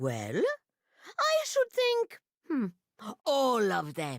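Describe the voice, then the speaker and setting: A put-on character voice at a very slow pace. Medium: video game.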